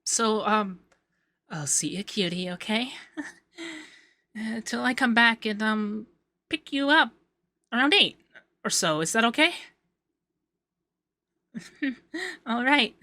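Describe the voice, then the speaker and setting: Guy doing a flustered coy femboy for asmr, really bright voice, stammers a lot, soft breathy bits. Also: extremely high pitch, lively intonation, slow, long pauses, no echo, full character voice. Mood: sweet, upbeat. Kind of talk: intimate ASMR roleplay.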